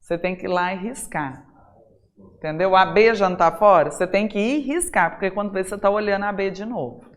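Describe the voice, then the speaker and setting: Lively Brazilian woman teaching an exam-prep class. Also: medium pitch. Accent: Brazilian Portuguese. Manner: lively, talks straight to students, rhetorical questions; stresses single words by saying them slowly and loudly. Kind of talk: recorded classroom lesson.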